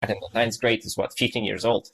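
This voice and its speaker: A man's voice: fairly low pitch, level tone, quick pace, vocal fry, fairly bright tone, breathy edge, low-quality recording. A man in his thirties from Estonia, a native Russian speaker, talking as a podcast guest in a thoughtful, meandering way with many fillers. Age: 30s. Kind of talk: casual podcast conversation.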